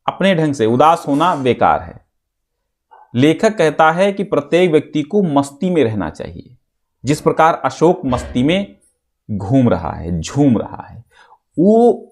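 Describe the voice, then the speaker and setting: Male teacher, exam-prep lesson: slow delivery, reads verse deliberately, explains step by step, repeats key phrases. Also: on the high side. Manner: recites verses slowly, then explains line by line; often checks in with students, repeating phrases.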